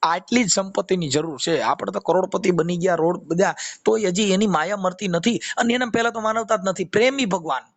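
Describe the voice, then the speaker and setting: Kathiyawadi gujarati guy, really high voice, preaching devotional stuff on a call, keeps repeating verses. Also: brisk, few pauses. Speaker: devotional speaker with a YouTube channel. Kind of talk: informal spiritual discourse on a phone call.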